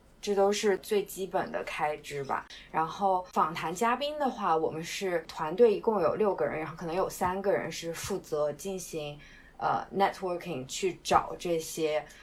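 A woman speaks at a medium pitch and a fairly slow pace with lively intonation over noticeable background noise. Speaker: podcast social media manager, graduate student. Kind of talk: casual interview.

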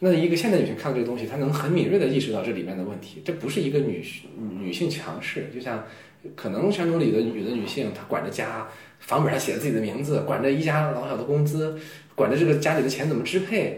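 Talking very fast, a man with a fairly high pitch uses lively intonation. Audible room echo and noticeable background noise surround him. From Shandong, Weifang (China). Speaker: freelance columnist. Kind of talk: casual chat. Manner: halting, many fillers and repetitions.

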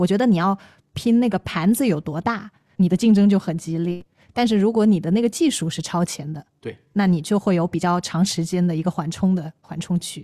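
The voice has a dark, mellow tone and a fairly quick pace, heard on a very clean recording with a silent background and a dry, close sound with no echo. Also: woman, medium pitch for a woman, ordinary pitch variation. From Guangdong, China. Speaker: electric vehicle commentator and author. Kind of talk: casual chat.

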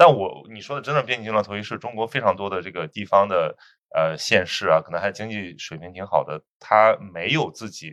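Using a normal speaking voice, a man talks at a moderate pace with a fairly low pitch, ordinary pitch variation and big swings in loudness. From Qingdao, Shandong. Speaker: podcast host. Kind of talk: casual panel discussion.

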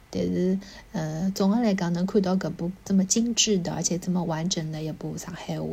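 A woman in a Shanghainese accent speaks at a moderate pace, her fairly low, somewhat breathy voice dark and mellow in tone, with fairly even intonation. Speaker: podcast guest. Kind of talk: casual chat.

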